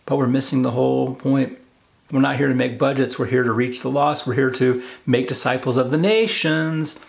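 A man's voice: mid-range voice, fairly even intonation, moderate pace, gravelly. A man in his forties speaking as a preacher, earnest and emphatic, repeating phrases to drive his exhortation home. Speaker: preacher, video host. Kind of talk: sermon-like exhortation to camera. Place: home study with bookshelves, indoors.

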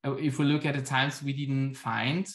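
A man's voice: medium pitch, fairly even intonation, normal speed. A young man presenting research on a video call, explaining steadily with frequent ums. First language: Italian. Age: young adult. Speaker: conference presenter. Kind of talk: academic talk and Q&A answer. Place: indoor room at home. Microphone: laptop webcam on a video call.

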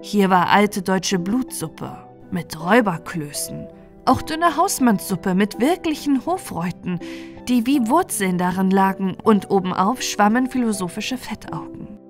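A woman reading a fairy tale as narrator, in an expressive scripted storytelling style. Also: medium pitch, a little slow. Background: soft music.

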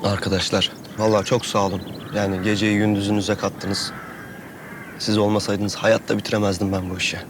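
A man's voice: lowish voice, little pitch movement, fairly quick, noisy background, lightly acted. An actor playing a confident, easygoing young man who teases and reassures his sister in a TV drama. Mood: friendly. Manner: easygoing, teasing. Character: confident young man, warm big brother. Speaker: landowner's son, brother. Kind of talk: TV drama acting. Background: music.

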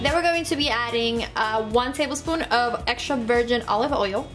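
A woman's voice: on the high side, normal speed. A young woman with a Puerto Rican accent, chatty and playful, hosting a DIY beauty tutorial from her home studio. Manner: playful, giggly, chatty with laughs between phrases. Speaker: beauty vlogger. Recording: echoey room with faint music.

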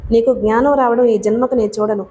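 A woman's voice: on the high side, steady tone, fairly quick, warm tone, slight background noise, natural voice. A woman reading an audiobook voices a stern, worried, ailing older mother who scolds her daughter. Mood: scolding. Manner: scolding, sighing.

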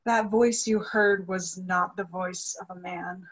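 A woman's voice: on the low side, fairly even intonation, measured pace, slightly rough, rough recording. A young woman acting an earnest, grieving young soprano devoted to her father in a dramatic play reading. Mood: fervent. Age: young adult. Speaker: actress in a virtual staged reading. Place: indoor room, video call. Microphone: video call microphone.

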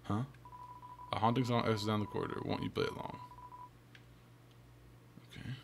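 A man's voice: on the low side, level tone, moderate pace, gravelly, background noise. A man giving casual let's-play commentary, reading game text aloud and muttering exasperated asides to himself. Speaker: video game streamer. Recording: game music under the voice. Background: video game music.

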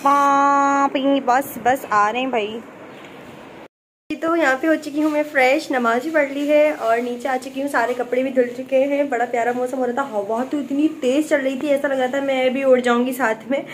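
A woman's voice: sits high, fairly even intonation, normal speed. A young woman vlogging at home in a chatty, playful way, talking to her pets and family. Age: young adult. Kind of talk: casual home vlog. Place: at home, indoors and on the rooftop. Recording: noisy home phone recording.

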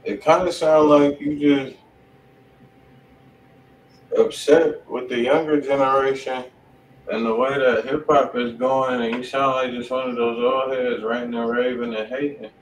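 Brief: lowish male stream co-host, blunt slangy reviewer, sounds distant in an echoey room, faint hum behind. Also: little pitch movement, a little slow. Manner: blunt, slangy critique with loose asides. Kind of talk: casual live stream chat. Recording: roomy sound, mic at a distance.

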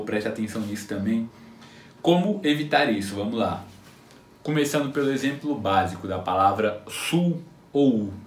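A man giving freestyle rap tips in casual, unscripted talk, animated and slangy, recorded off-mic in a roomy space. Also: mid-range voice, far from the mic. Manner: animated, slangy, teaching with quoted rhyme examples. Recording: roomy echo, off-mic with faint noise.

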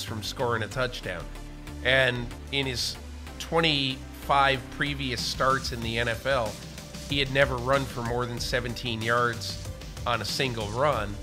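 A man in his sixties, a football analyst co-hosting a casual studio discussion, talking in an animated way, on a studio mic. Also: mid-range voice. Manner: animated, gestures with hands while talking. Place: small studio with framed pictures. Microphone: studio mic on boom arm.

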